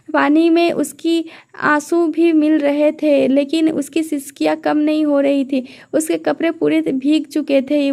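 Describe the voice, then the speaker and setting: A woman narrating a romantic audio story in an even storytelling way. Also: sits high, vocal fry.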